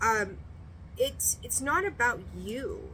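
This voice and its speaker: A woman speaks over noticeable background noise, with audible echo from the room. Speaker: tarot reader. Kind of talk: tarot reading monologue. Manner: halting, stuttering; casual, conversational.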